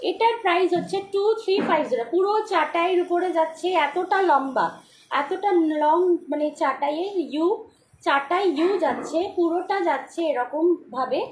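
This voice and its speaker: A hoarse woman hosting a live-stream jewellery sale, repeating prices and often checking that viewers follow. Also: very high voice, normal speed, echoey room, a little hiss or hum. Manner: repetitive, keeps asking for confirmation. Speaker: jewellery seller. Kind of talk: live-stream sales pitch.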